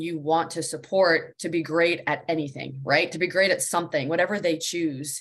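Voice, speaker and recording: A woman with an American accent has an unremarkable speaking voice at a fairly low pitch. She talks at a moderate pace with fairly even intonation. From US, Maryland. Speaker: former pro soccer player and keynote speaker. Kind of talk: interview.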